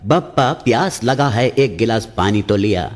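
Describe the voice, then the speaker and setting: A man's voice: fairly low pitch, lively intonation, a little slow. A man voicing a cheeky young son who keeps asking for water. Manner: wheedling, cheeky. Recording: long hall reverb.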